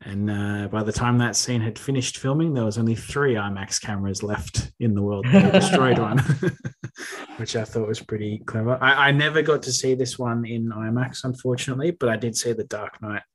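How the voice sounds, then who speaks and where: A man hosts a podcast in an easy, conversational way and laughs often with his guest. His voice sits at an ordinary middle pitch. He asks questions and shares thoughts at a relaxed pace. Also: brisk, few pauses. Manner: chatty, relaxed, laughs easily. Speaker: podcast host. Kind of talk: casual podcast chat.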